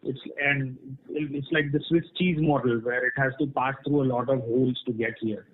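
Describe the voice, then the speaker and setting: Guy on a muffled conference call, exec explaining stuff frankly, middle pitch, checks in with "right?". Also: fairly even intonation, moderate pace. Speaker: company executive answering analysts' questions. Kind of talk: earnings call question-and-answer, spontaneous explanation. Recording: muffled band-limited conference call line.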